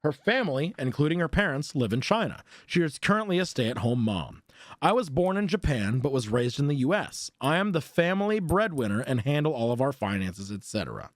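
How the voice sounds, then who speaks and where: Animated male streamer reading posts aloud. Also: mid-range voice, fairly quick, dry recording, clean studio sound. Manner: animated, swears and laughs between readings.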